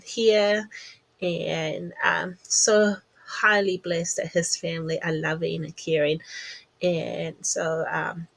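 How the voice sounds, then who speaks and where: A podcast host with a New Zealand accent and a voice on the low side chats casually to camera from her home office, often laughing at herself.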